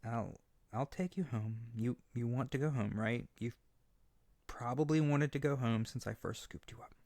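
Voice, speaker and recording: A man playing an earnest, lovesick young harpy bird-boy in a roleplay audio drama, gentle and insecure, speaking tenderly with hesitant stammers. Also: mid-range voice, normal speed, no room sound, lightly acted. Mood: dejected, awkward. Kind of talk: roleplay audio drama spoken intimately to the listener.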